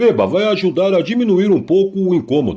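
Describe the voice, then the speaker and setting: A man talks at a fairly quick pace in a put-on character voice. His pitch is high. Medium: read story. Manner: calm, dry, unbothered.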